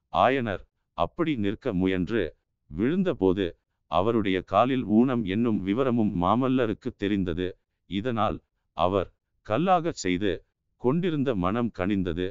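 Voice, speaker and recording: A man narrating a novel in measured, scripted audiobook style, in a dull, lo-fi recording. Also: fairly low pitch, clear, resonant tone, no room sound. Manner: measured storytelling.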